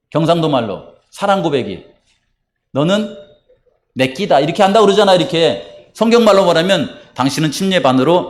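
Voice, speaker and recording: A man preaching as pastor at a church baptism service, posing questions to the congregation and answering them himself. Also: a little high. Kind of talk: sermon and baptism rite. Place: church sanctuary.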